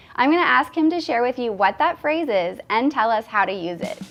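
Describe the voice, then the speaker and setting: A high-pitched woman at a fairly quick pace, with very wide pitch swings and music in the background. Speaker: channel host. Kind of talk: show intro to camera.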